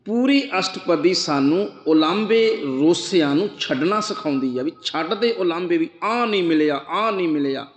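A man preaching a Sikh scripture sermon, chanting verses slowly and then explaining them earnestly. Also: a little high, animated, reverberant, big-room sound. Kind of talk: slow devotional sermon.

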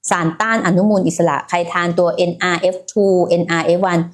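A woman's voice: lowish voice, fairly even intonation, fast talker. Woman doing a chatty health livestream, lots of fillers, talks right to her viewers. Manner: chatty, many fillers, addresses viewers directly. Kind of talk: casual livestream health talk.

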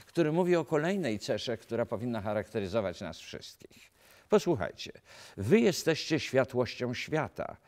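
A man in his fifties from Poland, a pastor giving an earnest sermon to camera in a studio, asking rhetorical questions, recorded on a lapel mic. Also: mid-range voice. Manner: earnest, animated preaching with rhetorical questions and gestures. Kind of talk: filmed sermon talk to camera. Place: dark studio set, indoors.

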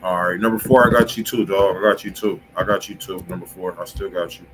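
A man's voice: deep voice, fairly even intonation, fast. A man with an American accent hosting a music review livestream in casual, slangy, profane talk, often thinking aloud in a laid-back way. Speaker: host of a live music review stream. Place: small room indoors. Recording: noisy home livestream microphone.

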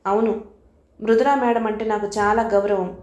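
A woman reading a novel aloud, voicing a sullen, arrogant rich young man in a lower, quieter voice. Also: fairly even intonation, moderate pace, natural voice. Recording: roomy echo.

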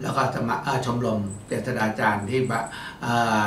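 A man's voice: medium pitch, fairly even intonation, normal speed, fairly bright tone, far from the mic, a little hiss or hum. A man co-hosting as an astrologer, easygoing and self-mocking, with hesitant stops and fillers. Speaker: astrologer co-host. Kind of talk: casual chat. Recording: echoey room, voice from off-mic.

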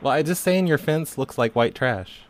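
A man making a prank phone call, talking in a deadpan, hesitant way. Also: on the high side, normal speed, noisy background. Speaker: prank caller.

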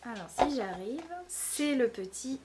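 Woman gushing over stuff on her vlog, kinda high voice, bit of hiss behind. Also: lively intonation, a little slow. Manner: gushing, enthusiastic, many fillers. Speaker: beauty vlogger. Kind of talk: casual show-and-tell.

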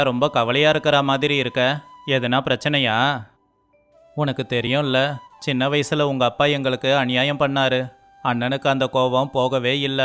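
Flat-toned smooth male voice actor. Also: mid-range voice. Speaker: voice actor for all male characters. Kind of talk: dubbed story dialogue.

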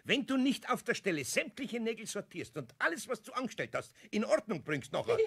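A man playing a gruff but kind-hearted older craftsman with a Bavarian accent in a children's radio play. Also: high voice, big pitch swings, fairly quick, a bit bright, exaggerated voice. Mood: angry, stern.

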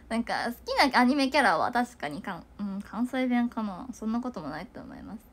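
A woman's voice: fairly high pitch, big pitch swings, normal speed. A young woman chatting casually to viewers on a livestream, giggling and rambling with lots of fillers. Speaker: idol livestreamer.

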